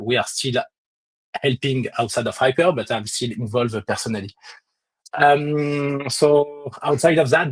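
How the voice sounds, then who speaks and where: A man's voice: medium pitch, husky, no room sound. A man from France with a strong French accent, speaking as a guest in a casual online audio chat and filling his talk with many hesitant "uh"s. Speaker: crypto project lead and guest.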